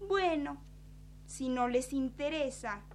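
A woman's voice: high voice, takes it slowly. Nosy teasing young woman played by an actress. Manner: playful, mocking, teasing.

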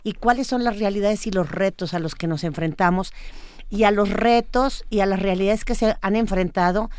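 Clear-voiced woman interviewer. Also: mid-range voice, darkish tone, dry recording. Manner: halting, many fillers and restarts, enthusiastic. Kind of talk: interview, hesitant chat.

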